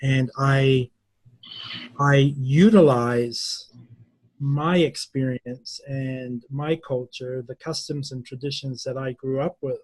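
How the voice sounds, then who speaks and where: Slow, thoughtful man from New Zealand. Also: medium pitch, fairly even intonation, darkish tone, no room sound, low-quality recording. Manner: slow, thoughtful, with many pauses and fillers. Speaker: university English teacher. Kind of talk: interview answers.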